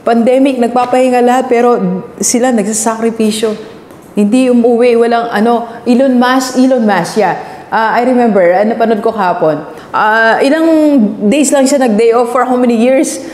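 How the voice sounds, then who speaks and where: A woman's voice: fairly high pitch, normal speed, a little mellow, reverberant, long reverb tail, slight background noise. A woman with a Filipino accent, a business coach giving a motivational vlog talk and challenging the listener with repeated rhetorical questions. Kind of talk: motivational vlog talk in mixed Tagalog and English.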